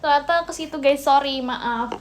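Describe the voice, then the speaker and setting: A woman's voice: high-pitched, normal speed, very noisy. A young woman from Indonesia hosting a casual livestream, chatty and playful, mixing in English phrases and thanking viewers for gifts. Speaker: idol livestream host.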